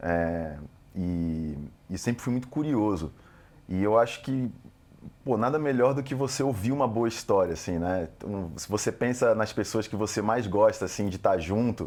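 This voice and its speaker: Speaking at a moderate pace, a man uses lively intonation in a fairly low pitch. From Brazil, Rio de Janeiro (then São Paulo). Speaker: advertising creative director. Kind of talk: casual interview.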